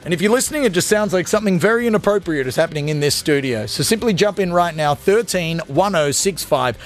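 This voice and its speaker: A young Australian man hosts a talk radio show from a studio, venting crudely and comically. His voice sits high for a man. A faint music bed runs underneath. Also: animated, fast. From Australia (Gold Coast, Queensland). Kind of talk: energetic talk radio monologue.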